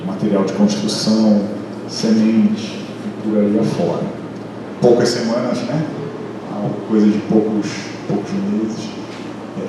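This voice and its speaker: A man speaking as a public defender on a course panel, hesitant with many restarts. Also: fairly low pitch. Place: lecture room. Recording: echoey hall from far off, noisy.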